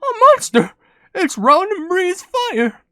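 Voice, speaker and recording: A small, frightened cookie villager acted by a man from a cute fantasy game. The voice is very high and shrill, with drawn-out, alarmed delivery over music. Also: very animated, bright, forceful tone, no room sound, studio quality, exaggerated voice.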